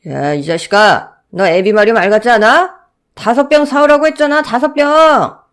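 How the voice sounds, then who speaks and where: A woman voicing a drunken, violent middle-aged father who shouts and bullies in a Korean audio story. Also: medium pitch, normal speed, lightly acted. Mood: angry. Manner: loud, bullying, shouting.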